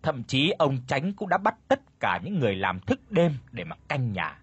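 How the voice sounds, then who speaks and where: A man narrating a ghost story in a dramatic, expressive storytelling manner. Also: mid-range voice, moderate pace, slightly rough, dry recording.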